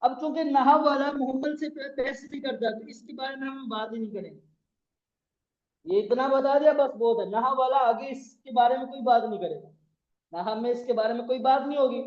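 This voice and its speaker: In an echoey room with a dull lo-fi recording, a very high-pitched man lectures on Arabic grammar at a moderate pace. He has a Pakistani Urdu accent and repetitively spells out words letter by letter, going over terms again and again.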